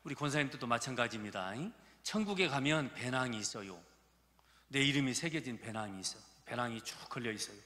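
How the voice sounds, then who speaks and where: A man's voice: mid-range voice, animated, brisk, bright, forceful tone. A man in his fifties, a pastor with a Jeolla Korean accent, preaching a folksy, joking sermon to his congregation in a church. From Gurye, South Jeolla, Korea. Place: church sanctuary. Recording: reverberant church hall.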